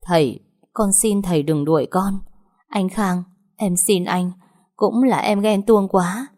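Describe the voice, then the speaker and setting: A woman's voice: medium pitch, takes it slowly, a little mellow, natural voice. A woman voicing a desperate young wife who pleads and sobs for forgiveness. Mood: pleading, tearful. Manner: tearful begging.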